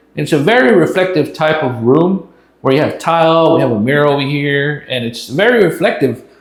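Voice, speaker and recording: A man's lively intonation at a fairly quick pace, with audible room echo. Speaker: audio/video production instructor. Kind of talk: tutorial. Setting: small tiled restroom, reverberant; outdoors by a freeway. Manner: casual, conversational; loud. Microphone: strong room echo.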